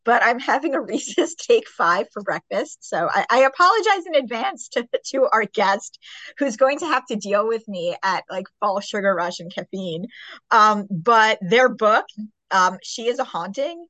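A woman's voice: a little high, animated, a little slow, sharp tone, dry recording. A woman hosting a podcast, chatting casually about books in a peppy, enthusiastic, gushing way. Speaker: podcast host. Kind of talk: casual book chat interview.

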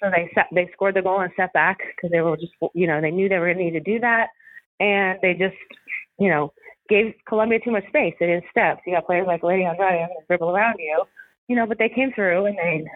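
A woman's voice: lowish voice, steady tone, brisk, no room sound. Woman, chatty, over a tinny phone line. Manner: rambling, many fillers and restarts. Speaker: soccer coach and Spanish-language commentator. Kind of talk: casual podcast interview.

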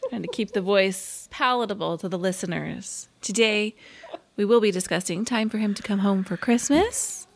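A woman co-hosting a casual podcast, speaking in a calm, measured way and laying out figures matter-of-factly. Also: medium pitch, vocal fry, slight background noise. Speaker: podcast co-host. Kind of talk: casual chat.

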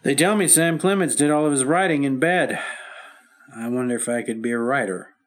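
Actor playing a bitter, frightened heart patient. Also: male voice, medium pitch, a little fast, close to an everyday voice. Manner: bitter, self-pitying, blunt. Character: frightened businessman recovering from heart attack. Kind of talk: 1950s radio drama acting.

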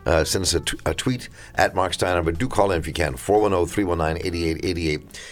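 Smooth, very deep-voiced radio host man. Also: fairly quick. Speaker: radio talk show host. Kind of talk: live call-in radio talk show. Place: radio studio.

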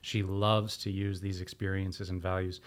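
A man's voice: sits low, level tone, moderate pace. A man hosting a podcast, reading out guest introductions and then asking friendly questions with some restarts. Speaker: podcast host.

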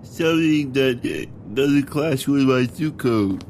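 A man acts out a drunk airline passenger with a gravelly voice, drawling slowly and tripping over his own words. He repeats himself, muddled and dim-witted, in a comic radio play. A faint engine rumble hums behind him. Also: darkish tone. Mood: befuddled.

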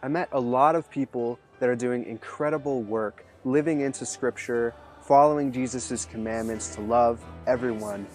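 A man's voice: mid-range voice, normal speed, hardly any pauses, a little mellow, faint music behind. A man narrating a scripted report about a faith-based justice conference. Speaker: video host and interviewer.

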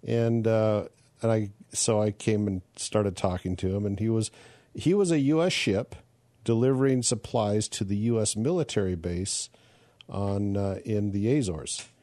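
A man from the United States hosts an interview in a low, mellow voice. He asks curious questions and tells relaxed stories. The sound is dry and close. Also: a little slow, dry recording. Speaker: podcast host. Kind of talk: casual interview questions and anecdotes.

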